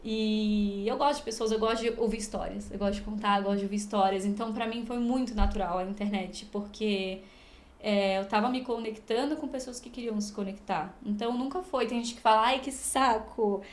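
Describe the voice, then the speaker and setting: A woman's voice: mid-range voice, steady tone, brisk. Chatty Brazilian woman in a roomy space. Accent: Brazilian Portuguese. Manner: talkative and rambling, acts out quoted remarks. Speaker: guest, medical student and influencer. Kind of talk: casual podcast chat.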